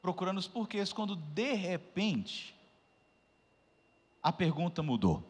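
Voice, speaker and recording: A man in his thirties, a pastor telling a personal testimony in a sermon, swinging from hushed reflection to loud outbursts. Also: high voice, big pitch swings, a little slow, slightly rough. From Brazil. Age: 30s. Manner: emotional storytelling, swings from hushed to shouting. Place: church hall. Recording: long church hall reverb.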